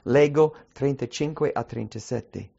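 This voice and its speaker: A male preacher delivers a sermon at a middle pitch and presses his points with rhetorical questions. The recording sounds dull and lo-fi. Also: measured pace, creaky, mellow, husky. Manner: emphatic, asks many rhetorical questions.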